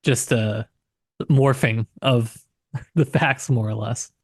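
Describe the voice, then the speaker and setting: A man with a mid-pitched voice co-hosts a book discussion podcast. He speaks casually, qualifying his points and thinking aloud as he goes. The sound is dry, with very little room in it. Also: steady tone, slow, dry recording. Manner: informal, hedging, thinking aloud. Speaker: podcast co-host.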